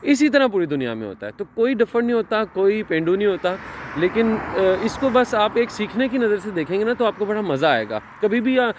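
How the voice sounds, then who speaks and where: A man's voice: high-pitched, very animated, noisy background. A man, talking to camera as a travel vlogger, chatty and explaining with many fillers and restarts, outdoors in a town. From Pakistan. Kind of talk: casual explanatory travel vlog.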